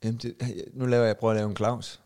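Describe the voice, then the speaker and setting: A man's voice: fairly low pitch, level tone, a little mellow, clean tone. A man co-hosting a podcast, telling a story in a casual chat and laughing often. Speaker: podcast co-host.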